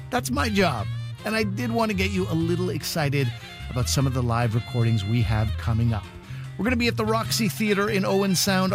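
A man hosting a comedy show, introducing the comedians and announcing upcoming live recordings in a scripted way. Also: on the high side. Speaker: radio comedy show host. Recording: voice over background music.

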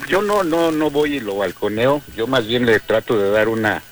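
A man's voice: medium pitch, animated, moderate pace. A man from Guadalajara with a Mexican accent, calling in to a radio show and explaining his view in a friendly way. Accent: Mexican Spanish. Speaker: radio caller. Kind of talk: phone-in chat.

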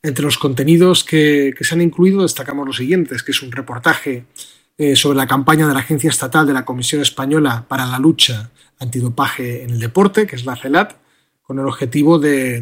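A man, a guest from a sports organization, giving a steady rundown of a program's contents. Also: medium pitch, a little fast, husky. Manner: steady rundown with some fillers.

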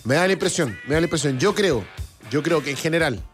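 A Chilean man with a somewhat high voice hosts a live-streamed music show. He chats casually and loops back over his own phrases while thinking. Soft music plays faintly behind him. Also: lively intonation, quick pace. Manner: chatty, repeats himself while searching for words. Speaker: show host.

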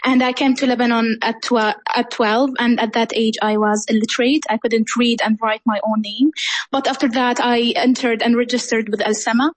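18 yr old woman from syria on the phone, earnest, a bit high-pitched, stumbles a little. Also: level tone. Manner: earnest, halting, repeats words. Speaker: interview guest. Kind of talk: phone interview. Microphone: phone line.

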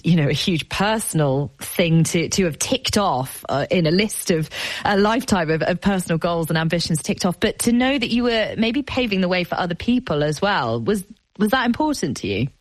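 A woman interviewer asking measured, probing questions. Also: low-pitched, no echo. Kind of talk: broadcast interview.

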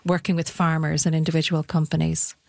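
A woman's voice: low-pitched, flat delivery, a little fast, creaky, dry recording. A woman professor speaking as a radio interview guest, enthusiastic and chatty, with fillers like "I mean" and "you know".

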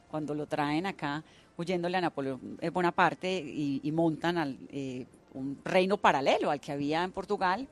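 Effusive low-voiced woman journalist. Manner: effusive, chatty, gushing. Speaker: radio journalist and host. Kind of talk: radio interview.

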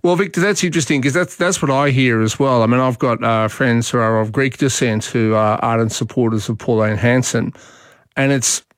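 Brisk Australian talkback host, dry studio. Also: male voice, mid-range voice, clear, resonant tone, dry recording. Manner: brisk, opinionated, takes calls. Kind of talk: talkback radio. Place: radio studio.

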